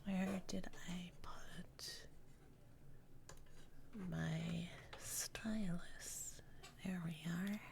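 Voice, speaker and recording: Whispering woman streamer, low, gravelly, slow and easygoing chat. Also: steady tone, background noise. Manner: soft unvoiced whisper, rambling and chatty.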